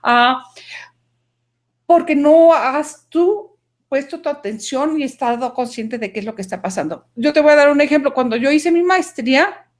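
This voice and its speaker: A woman's voice: high-pitched, animated, moderate pace. A woman giving an explanatory talk on a live video call. She explains through everyday analogies and keeps checking in with a questioning tag.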